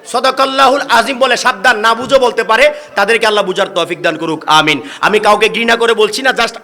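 High, bright-voiced preacher. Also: male voice, fairly quick. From Bangladesh. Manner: calls out to the crowd for responses. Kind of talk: sermon. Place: religious gathering.

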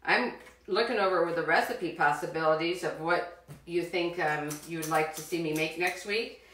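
A middle-aged woman with a slightly low voice chats warmly to children as she shows them how to bake. She talks straight to her young viewers and encourages them. She is picked up by a camera set back in a roomy home kitchen. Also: moderate pace. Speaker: cooking show host for children. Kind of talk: live cooking demonstration. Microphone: far camera. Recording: roomy kitchen sound from a distance.

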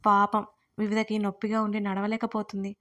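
A woman's voice: medium pitch, completely flat delivery, sharp tone, lo-fi sound, natural voice. A woman voicing a bold, chatty young woman gossiping with friends in a storybook reading. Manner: brisk, teasing.

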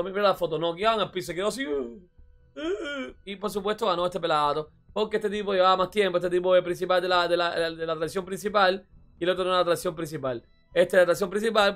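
Streamer, male, high-pitched, chatty and repetitive, light music bed. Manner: excitable, repeats phrases, says "bro" often. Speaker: reaction streamer. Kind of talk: casual reaction commentary.

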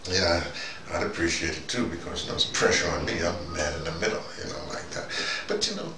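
A man giving a rambling, informal monologue as host, halting and digressive, often falling back on "you know". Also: low voice, expressive. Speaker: host of a spoken dispatch series. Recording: roomy, noisy, distant microphone.

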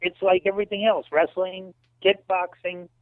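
A man in his late fifties tells lively anecdotes as an interview guest, sprinkling in "you know" as he goes. His voice sits a little high for a man and comes through a thin, phone-like line with a completely dry sound. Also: normal speed, dry recording. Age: 50s. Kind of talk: casual storytelling interview.

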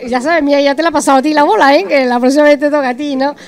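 Middle-aged woman host; effusive, bright-pitched, restaurant dining room, handheld mic. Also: fairly even intonation, very fast. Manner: effusive, gushing. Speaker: interviewer. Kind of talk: casual interview.

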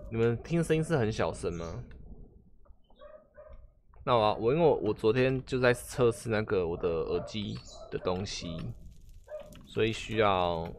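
A man's voice: fairly low pitch, animated, moderate pace, long pauses, slight background noise. A man with a Taiwanese Mandarin accent chatting casually on a live game stream, asking viewers questions and often trailing off and restarting.

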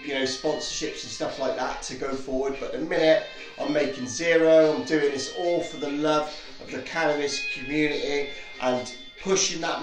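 A man ranting and rambling in a casual vlog, passionate and swearing freely. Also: on the high side. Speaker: cannabis channel vlogger. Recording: echoey room, faint music behind.

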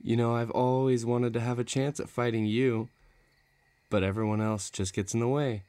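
Taunting and eager, a man plays a menacing villain who is bloodthirsty and hungry for a duel, issuing threats in an audio roleplay. His voice is natural and warm, medium in pitch with a steady tone, at normal speed with no echo.

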